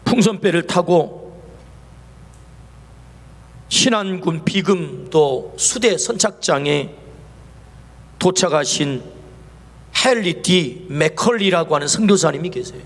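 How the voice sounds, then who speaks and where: A man with a high voice preaching a Sunday sermon in a church sanctuary, its long reverb trailing each phrase. He keeps asking the congregation questions, at times dropping soft and low, at times lifting his voice. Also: expressive, takes it slowly, long pauses. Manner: preaching with rhetorical questions, swings between soft and raised passages. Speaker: pastor.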